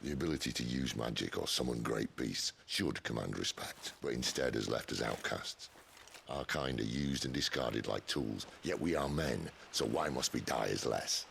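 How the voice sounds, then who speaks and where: An actor playing a worldly middle-aged outlaw leader in a video game, wry, theatrical and unhurried, with a gravelly voice. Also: male voice, fairly bright tone, a little hiss or hum, heavily acted. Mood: grave, measured. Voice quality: very deep, gravelly. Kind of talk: video game cutscene voice acting.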